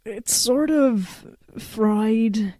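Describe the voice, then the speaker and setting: A woman playing a terse, deadpan female companion with a dry manner in an audio drama. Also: a little high, extremely slow, no echo.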